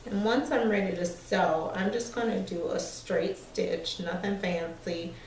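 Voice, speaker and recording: A woman in her thirties hosts a sewing tutorial at an ironing board in a small indoor room, explaining each step in a relaxed, chatty way with fillers. Her fairly low voice is unhurried and slightly hoarse, as if she's losing it. A distant camera mic picks her up, giving an echoey sound with a little hiss or hum.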